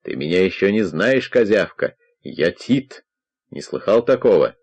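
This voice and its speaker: A man voicing a hoarse, contemptuous male criminal who threatens the listener, read in an audiobook. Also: deep voice, sing-song, measured pace, a little mellow, lo-fi sound, exaggerated voice. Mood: threatening. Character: menacing drunk male criminal, gruff and threatening. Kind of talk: audiobook character voice.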